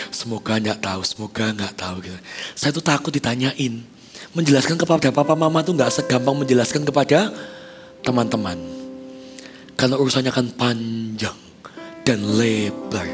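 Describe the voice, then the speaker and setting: A man in his thirties, a pastor telling a personal story in a sermon, talking casually to the congregation and acting out quoted dialogue. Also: mid-range voice. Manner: conversational, addresses congregation, acts out quoted dialogue. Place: church stage.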